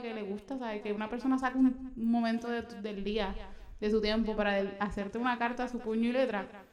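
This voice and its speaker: At a very fast pace, a woman with a Puerto Rican accent speaks in a high pitch with ordinary pitch variation. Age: 20s. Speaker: interior and graphic designer. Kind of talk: casual chat.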